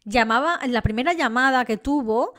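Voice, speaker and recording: A young woman from Spain tells a true crime story in a casual, chatty style. She sounds openly indignant and speaks straight to her audience. Her voice sits a little high. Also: moderate pace, a bit bright. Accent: Spain Spanish. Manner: indignant, chatty, addresses viewers directly.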